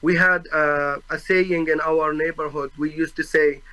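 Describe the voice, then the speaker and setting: A young man from Gaza with an Arabic accent testifies before a tribunal in a slightly high, bright, forward voice. He speaks very slowly and solemnly, pausing to search for words and restarting his phrases. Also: fairly even intonation, poor audio. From Gaza, Palestine. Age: 20s. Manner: halting, searching for words, with frequent restarts and fillers; solemn and earnest. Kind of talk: formal personal testimony.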